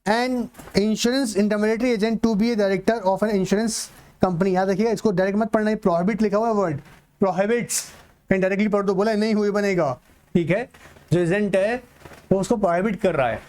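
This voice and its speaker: A male teacher with an Indian accent and a fairly high voice gives an online exam-prep lecture. He drawls through English lines word by word, then switches to quick, chatty Hindi explanations, speaking straight to his students and repeating each point. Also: steady tone, darkish tone. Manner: mixes Hindi and English, reads slowly and explains fast.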